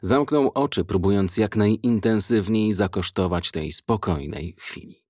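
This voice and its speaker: Husky male audiobook narrator, dramatic. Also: on the low side, darkish tone, no room sound, studio quality. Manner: measured, dramatic storytelling.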